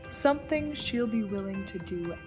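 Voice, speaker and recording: An actress as a commanding villainess in an audio drama, with a mid-pitched voice. She is cold, measured and menacing, with faint music underneath. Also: expressive, lightly acted. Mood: scornful, menacing. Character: cold, commanding female villain, leader of conspirators.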